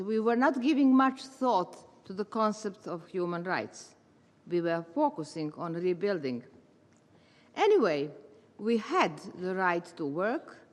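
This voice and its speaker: A woman, a retired English teacher giving a measured, formal prepared speech as a volunteer. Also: medium pitch. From Serbia. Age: 70s. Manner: measured, formal delivery with careful phrasing. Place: large meeting hall. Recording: long hall reverb.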